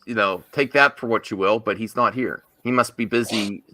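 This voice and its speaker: A man's voice: on the low side, moderate pace, a loud crowd. A man hosting an online fan show in a casual livestream chat style.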